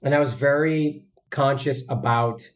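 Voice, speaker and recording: A man's voice: mid-range voice, fairly even intonation, a little slow. A man, an actor, answering interview questions in an earnest, chatty way, with many fillers and restarts. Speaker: actor guest.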